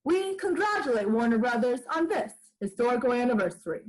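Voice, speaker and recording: A woman's voice: fairly high pitch, sing-song, fairly quick, a little mellow, poor audio. A woman playing a polished 1940s radio announcer, formal and theatrical. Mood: grand, formal.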